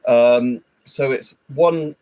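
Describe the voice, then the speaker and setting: A man's voice: medium pitch, drawn-out words, warm tone, no room sound, rough recording. A man rambling and grumbling through a casual live stream, stuffy with hay fever and swearing often. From United Kingdom. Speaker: livestreamer.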